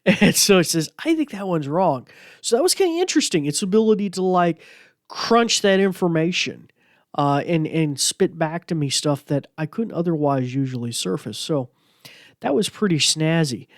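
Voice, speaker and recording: A man's voice: a little high, expressive, moderate pace, no room sound, studio quality. A man hosting a podcast, chatting casually and rambling with lots of fillers as he demos a gadget. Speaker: podcast host. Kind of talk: casual tech demo chat.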